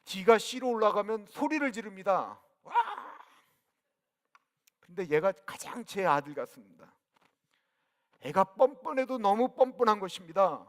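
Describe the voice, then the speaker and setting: Male pastor, forties, sermon, high voice, loud then hushed, echoing church sanctuary. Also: big pitch swings, moderate pace. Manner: swings between loud emphatic lines and hushed near-whispers.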